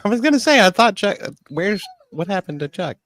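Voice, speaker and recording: A man chatting on a late-night video call panel, laughing often and animated. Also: high voice, a little fast, no room sound, clean studio sound. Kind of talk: casual late-night chat.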